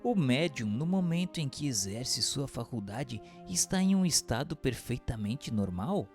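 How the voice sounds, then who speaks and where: Expressive, creaky-voiced male radio narrator. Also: medium pitch, measured pace, over music. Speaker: narrator and questioner. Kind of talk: scripted narration for a radio drama.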